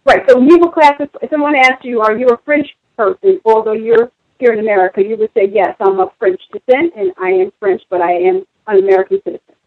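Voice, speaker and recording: A woman's voice: a little high, fairly quick, no room sound, phone-quality sound. A woman calling in to a radio show, asking direct, probing questions. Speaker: caller. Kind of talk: call-in question.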